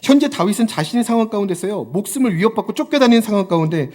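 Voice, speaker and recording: A man in his thirties preaching a Sunday sermon, his high voice swinging widely as he builds to fervent exhortation. He acts out little quotes along the way. Long reverb from a large church hall hangs on every line. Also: lively intonation, rapid-fire, a little mellow.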